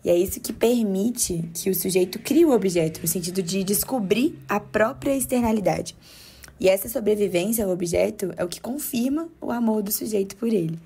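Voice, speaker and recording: A woman giving measured, explanatory commentary as a podcast co-host, often tagging her points with questions. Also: mid-range voice, mellow, husky.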